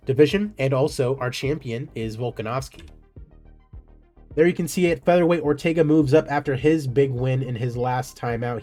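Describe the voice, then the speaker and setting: A man's voice: medium pitch, a little mellow. Casual male gaming commentator. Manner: conversational, offhand remarks and asides. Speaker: video game series host. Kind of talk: casual commentary on a simulated MMA career.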